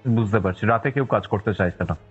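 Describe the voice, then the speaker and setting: A man's voice: lowish voice, fast talker, breathy edge. A man hosting a talk, giving brief responses as he listens to a story. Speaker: podcast host listening. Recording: tinny phone-like call with music behind. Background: background music.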